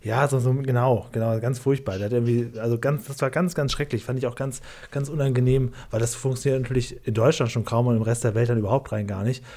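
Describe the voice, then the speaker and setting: A man's voice: medium pitch, steady tone, fast, hardly any pauses, dark tone. Host: rambling, wry man with a mid-range voice in casual talk. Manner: rambling, self-correcting, wry. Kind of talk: casual chat.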